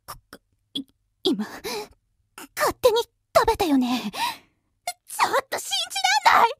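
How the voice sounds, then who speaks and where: A woman voicing an excitable, childish, greedy girl in an anime-style drama, exclamatory and dramatic. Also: extremely high pitch, measured pace, no room sound, clean studio sound, heavily acted. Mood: indignant, upset.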